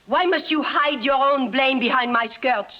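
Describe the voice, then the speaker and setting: A woman's voice: high-pitched, moderate pace, muffled recording, close to an everyday voice. An actress playing a weary, bitter woman caught up with a criminal gang, speaking reproachfully. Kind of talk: 1950s radio drama acting.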